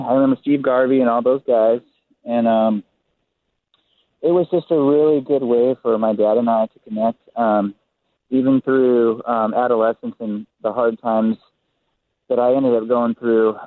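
A man's voice: mid-range voice, no room sound. A man from San Diego calling in to a radio talk show, his voice muffled as if through a wall, speaking hesitantly with many ums. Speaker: phone-in guest. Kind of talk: casual radio chat. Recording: muffled tinny phone line.

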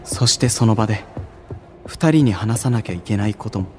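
Man acting a gentle, expressive young idol. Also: lowish voice, moderate pace, faint music behind, lightly acted. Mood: resolved, reflective. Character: modest, sensitive, considerate young male station idol. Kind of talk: anime-style audio drama acting.

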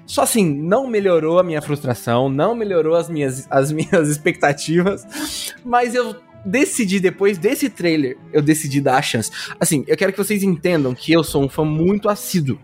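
A man chatting casually and emphatically on a podcast. His voice sits a little high. Faint music plays behind him. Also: animated, moderate pace, a little mellow. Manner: emphatic, rule-stating fan talk. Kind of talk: casual chat.

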